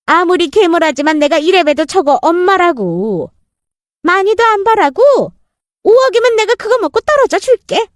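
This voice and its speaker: A scheming middle-aged stepmother, played by a woman storyteller, with a piercing high voice that leaps up and down. She sounds brazen and mocking, a con artist from a spoken drama story, close and dry. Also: animated, moderate pace, no room sound. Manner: brazen, mocking, then shrill pleading.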